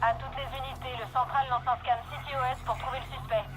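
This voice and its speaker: A woman voicing a calm police dispatcher speaking over police radio in a clipped, procedural way. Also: high-pitched, fast, noisy background. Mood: businesslike. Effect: police radio transmission.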